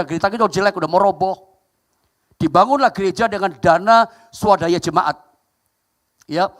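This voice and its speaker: A man preaching a sermon, telling a story with lively acted-out quotes and sound effects. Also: high voice. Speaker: pastor. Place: church sanctuary.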